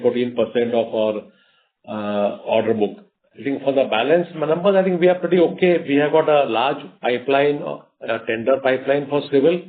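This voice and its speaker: A man with an Indian accent speaks as a company executive on an earnings call. His delivery is unscripted and explanatory, with repeated phrases. The sound is a narrow, muffled conference phone line. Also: medium pitch. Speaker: company executive answering investor questions.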